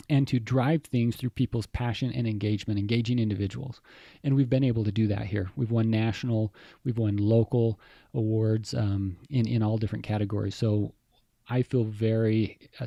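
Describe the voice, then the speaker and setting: A man talks as an interview guest, warming to his point with animated, enthusiastic storytelling. His voice is mellow and relaxed in tone, and the sound is dry and close, with no room around it. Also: fairly low pitch, no echo. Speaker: HR executive guest. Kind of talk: interview conversation.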